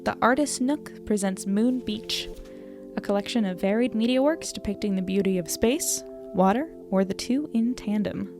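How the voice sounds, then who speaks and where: A woman's voice: mid-range voice, moderate pace, music in the background, close to an everyday voice. A woman playing a wry, troubled young reporter in an audio drama, speaking with dry, understated sarcasm. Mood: dryly exasperated. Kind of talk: audio drama acting, diary-like monologue and dialogue.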